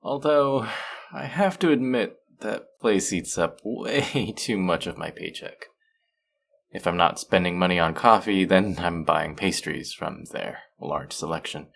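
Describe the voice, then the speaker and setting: Man acting a deep, gravelly, easygoing young guy. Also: unhurried, fairly bright tone, exaggerated voice. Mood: friendly, playful. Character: friendly, teasing, bashful young male traveler. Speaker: voice actor in an audio roleplay. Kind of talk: intimate one-sided roleplay acting, conversational.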